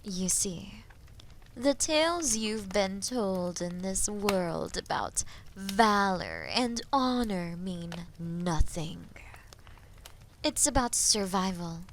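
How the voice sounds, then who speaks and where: Woman acting a very slow, menacing female dragon. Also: medium pitch, sing-song, slight background noise. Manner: deliberate, taunting, drops into breathy whispers. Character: haughty, menacing female dragon toying with captive knight. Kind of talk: slow, theatrical roleplay monologue in medieval fantasy audio drama.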